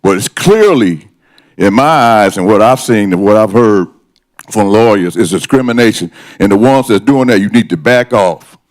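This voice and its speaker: A man's voice: on the low side, lively intonation, moderate pace. Impassioned older man giving a podium speech. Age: 60s or older. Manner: impassioned, emphatic, combative. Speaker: resident speaking at public comment. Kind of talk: podium speech, personal testimony. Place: council meeting room, at a podium.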